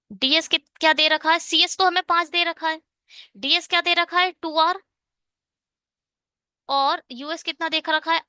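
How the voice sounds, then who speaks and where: A woman's voice: sits high, sharp tone, no echo, studio quality. A woman teaching an online exam-prep math lesson, working through a problem step by step and asking and answering her own questions.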